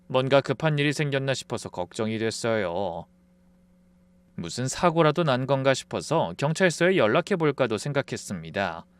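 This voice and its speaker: A man's voice: medium pitch, very animated, normal speed, clean tone. A man narrating a dramatic first-person story in an earnest, confiding way.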